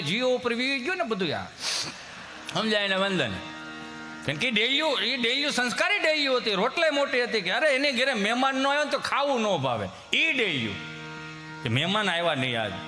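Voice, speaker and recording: High bright-voiced man telling comic tales. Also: big-room sound. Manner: storytelling with voiced characters. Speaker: comedian. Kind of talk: Gujarati folk comedy monologue.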